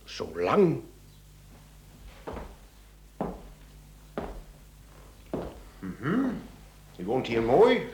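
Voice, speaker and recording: A man's voice: mid-range voice, huge pitch swings, slow, darkish tone, a little hiss or hum. A Flemish man acting in a radio play as a probing, no-nonsense police inspector, terse, dry and insistent. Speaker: radio drama actor. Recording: roomy, echoing radio drama studio.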